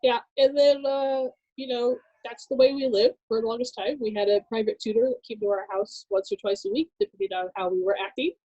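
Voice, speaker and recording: A woman in her thirties from Southern California, a podcast guest telling her life story in a relaxed way, laughing easily and using many fillers. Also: on the high side, brisk, few pauses, lo-fi sound. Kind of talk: personal testimony in casual chat.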